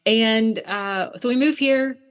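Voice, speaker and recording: A woman's voice: a little high, slow, clear, resonant tone. A woman in her thirties from Alabama, a missionary guest telling her family's story in earnest, detailed conversation. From Alabama, USA.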